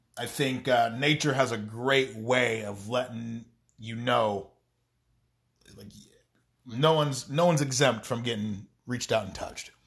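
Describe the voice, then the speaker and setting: Speaking at medium pitch with a Midwestern American accent, a man leaves long, frequent pauses, his loudness swinging widely. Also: fairly even intonation. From US Midwest. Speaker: podcast host. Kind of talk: casual solo monologue.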